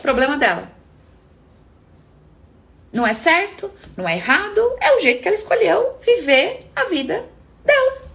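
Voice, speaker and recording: A Brazilian woman therapist talking on a live stream. She answers viewers in a lively way, acts out little dialogues and asks frequent rhetorical questions. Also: very high voice, normal speed, vocal fry, pauses often. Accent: Brazilian Portuguese.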